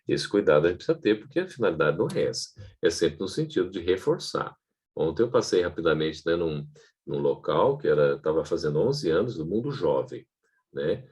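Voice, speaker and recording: Man, very deep husky voice, instructor, lively lecture with frequent asides to the audience. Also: brisk. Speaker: public speaking instructor. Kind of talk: online training seminar lecture. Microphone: speaking to camera.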